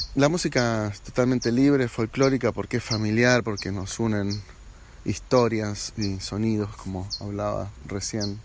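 A man with an ordinary speaking voice talks at a fairly slow pace, his fairly low pitch held to fairly even intonation. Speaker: folk musician and DJ. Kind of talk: recorded interview.

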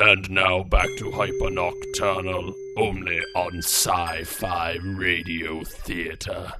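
Faint music sits behind a man whose very deep, low voice moves at a very slow pace with hardly any pauses. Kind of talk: old-time radio drama announcer. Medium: audio drama. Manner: measured, dramatic.

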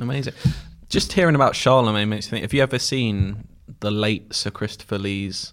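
Speaking with a British accent, a man keeps a moderate pace. The recording is very clean, with a silent background. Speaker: podcast co-host.

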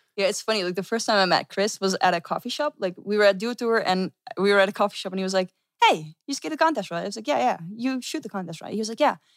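In a Dutch accent, a woman talks at a very fast pace at medium pitch with lively intonation. The sound is dry and close with no echo, on a very clean recording with a silent background. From Netherlands. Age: 30s. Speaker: professional skateboarder. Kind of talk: casual chat.

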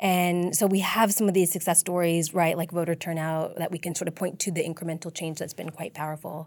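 A woman with an American accent talks at a fairly quick pace with hardly any pauses, in a monotone, flat intonation and a fairly low pitch. The recording is very clean, with a silent background. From San Antonio, Texas. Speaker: nonprofit executive. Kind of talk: interview.

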